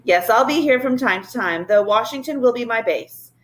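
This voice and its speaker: A kindly male professor, wise and fond of the children, speaking with earnest encouragement, voiced by a woman reading a book aloud. The voice sits fairly high and swings widely in pitch. He lingers on his advice as if teaching. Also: lively intonation, normal speed, lightly acted. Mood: earnest encouraging.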